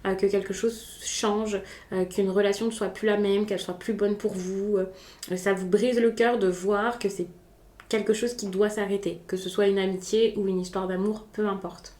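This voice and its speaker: A woman's voice: mid-range voice, little pitch movement, normal speed, a little mellow, reverberant. A woman giving a spontaneous, chatty tarot reading, with many hesitations and restarts. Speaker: tarot reader.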